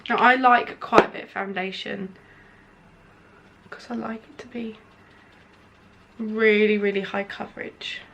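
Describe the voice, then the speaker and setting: Faint music plays behind this young beauty vlogger as she reviews makeup mid-application at home, window open. Her medium-pitched voice is steady, gravelly and fairly bright, at a measured pace with frequent pauses, yet nasal and stuffy from hay fever, with a sore throat. She chats and wanders, saying "like" again and again.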